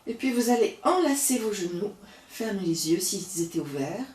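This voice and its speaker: Woman, yoga teacher, slow calm cues, echoey room, faint background hum. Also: medium pitch, far from the mic. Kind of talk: guided yoga instruction.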